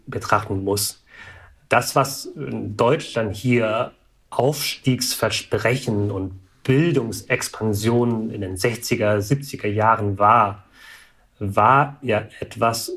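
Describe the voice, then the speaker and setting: A man in his thirties whose first language is Vietnamese, giving measured, analytical interview answers with some hesitations. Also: lowish voice, a bit bright. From Germany. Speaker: guest, alumnus.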